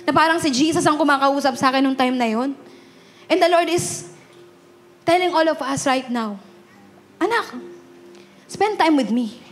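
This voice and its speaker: Young Filipino woman pastor, high-pitched, preaching in a mix of Tagalog and English. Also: normal speed, pauses often, fairly bright tone. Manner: mixes Tagalog and English, asks "Amen?" and "Di ba?". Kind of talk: sermon.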